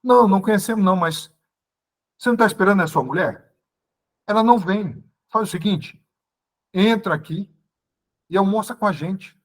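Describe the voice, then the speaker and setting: A man's voice: high-pitched, normal speed, long pauses, pitched above the performer's own voice. A man voicing a mysterious woman who keeps coaxing him to get into her car. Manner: insistent, coaxing.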